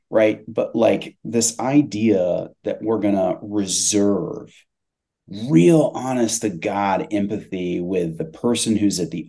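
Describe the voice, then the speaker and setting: Guy on a business podcast, lowish soft-edged mellow voice, emphatic, chatty delivery. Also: gravelly. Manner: emphatic, repeats phrases for stress. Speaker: podcast guest, tech company CEO. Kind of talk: conversational business discussion.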